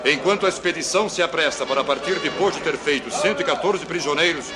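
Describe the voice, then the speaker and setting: A man's voice: on the high side, fast, natural voice. A man playing an urgent war correspondent reporting formally and dramatically in a 1960s radio dramatization. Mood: dramatic, urgent. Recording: old radio recording with loud music behind.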